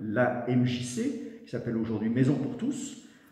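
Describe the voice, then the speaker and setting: Audible room echo surrounds a man whose voice moves in very wide pitch swings. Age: 60s. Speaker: mayor. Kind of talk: interview. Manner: hesitant, many filler sounds.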